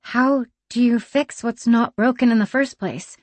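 A woman voicing a careful, deadpan female tinkerer who speaks in a measured, slightly formal way. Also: a little high, no room sound, voice pushed up.

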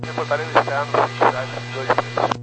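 A man's voice: on the high side, level tone, moderate pace. A Brazilian man, an airline pilot over the radio, giving clipped readbacks to air traffic control. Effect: aircraft radio transmission.

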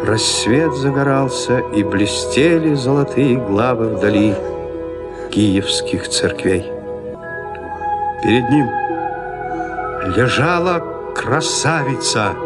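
A man narrating a classic tale in a radio drama, telling it in an expressive, dramatic way. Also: fairly high pitch.

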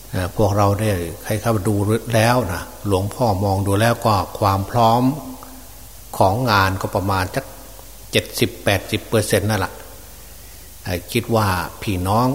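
A man preaching as a monk, folksy and unhurried, with many fillers. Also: fairly low pitch. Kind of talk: Dhamma sermon. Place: open temple hall. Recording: distant reverberant hall with faint noise.

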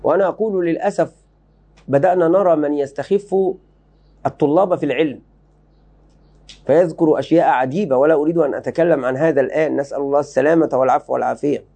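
Man, higher voice, mellow dark tone, emphatic religious teacher, repeats himself. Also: fast, husky. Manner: emphatic, repeats key phrases, quizzes students. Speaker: Islamic teacher. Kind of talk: religious lesson explaining a book.

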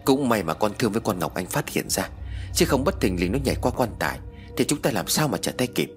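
A man's voice: on the low side, big pitch swings, quick pace, faint music behind. A man voicing a practical middle-aged uncle who explains and brushes off fears. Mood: alarmed. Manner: matter-of-fact, dismissive.

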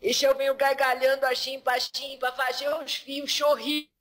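Woman as jovial male spirit entity, higher pitched, drawls and chuckles, down-home talk. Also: level tone, a bit bright. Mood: earthy, chuckling. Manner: drawling, folksy speech, calls listener "filho"; slow, laughing between phrases. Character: laughing male spirit Exu speaking through a medium. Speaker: medium channeling an entity.

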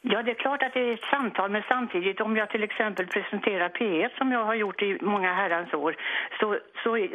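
An older woman phoning in to a radio show, a retired radio presenter voicing irritated, opinionated complaints about language. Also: mid-range voice. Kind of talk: phone-in chat. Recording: muffled phone line.

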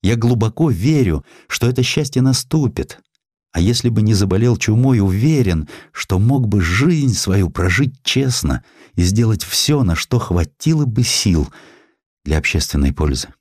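A man voicing a dying young student's earnest, resolute farewell letter in an audiobook, solemn and measured. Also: on the low side, lively intonation, a little mellow, dry recording, studio quality, voice pushed up.

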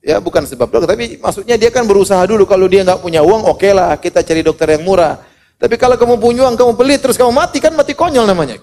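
A middle-aged man preaching a sermon, animated, acting out the people he quotes and swinging between loud and soft. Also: sits high, racing, a little hiss or hum. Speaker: Islamic preacher. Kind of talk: sermon to a congregation.

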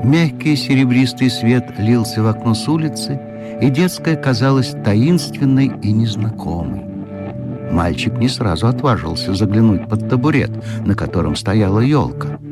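A man narrating a children's fairy-tale audiobook in an expressive storytelling manner. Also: mid-range voice, normal speed, over loud music.

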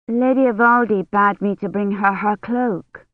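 An anxious young woman murmurs her thoughts low and tense, as an audiobook reader voices her. Her spoken replies stay careful and guarded. The sound is dry and slightly muffled. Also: steady tone, unhurried, no echo, lightly acted. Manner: hushed, tense inner thoughts. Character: anxious young woman, secretly desperate to slip away.

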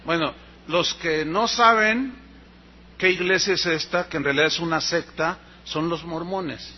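A Mexican pastor preaching with a high, husky voice, telling his story in an animated way and giving each person in it their own voice. The recording sounds dull and lo-fi, like an old sermon tape. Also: unhurried. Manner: animated storyteller acting out dialogue.

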